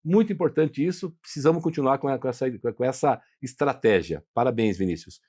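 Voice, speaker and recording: A man's voice: mid-range voice, expressive, a little fast, darkish tone, husky. A Brazilian man hosting an interview show, enthusiastically praising his guest and speaking directly to the audience. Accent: Brazilian Portuguese. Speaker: podcast host.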